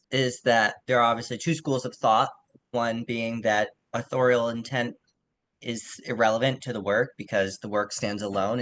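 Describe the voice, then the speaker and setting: A man's voice: on the low side, fairly bright tone, a little hiss or hum. A man speaking as a podcast guest in a conversational literary discussion, thoughtful and explanatory, qualifying his points as he goes.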